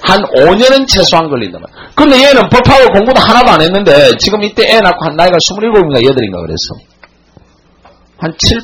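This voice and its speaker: A man in his forties giving a classroom lecture, telling a blunt, animated story to his students. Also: a little high, breathy edge, poor audio. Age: 40s.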